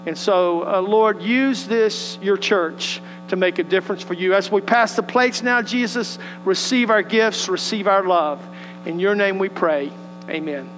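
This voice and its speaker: A man's voice: high voice, a little slow, fairly bright tone, in a large hall, a little hiss or hum, rough recording. A man with a West Texas accent, preaching and praying as a pastor in a folksy, earnest way. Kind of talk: sermon with prayer and scripture reading. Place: church sanctuary.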